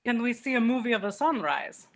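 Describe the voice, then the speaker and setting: A woman's voice: on the high side, expressive, a little fast. A woman playing a bossy, eager male vampire in a comedy table read. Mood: curious. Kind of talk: video-call table read of a comedy film script. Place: remote video-call reading.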